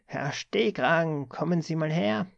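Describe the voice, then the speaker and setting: A man reading an audiobook, voicing a brusque young male office chief who scolds a clerk in a sharp, rasping voice. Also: measured pace, no echo, highs cut off. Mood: angry scolding. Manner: barks and scolds in a high strained shout.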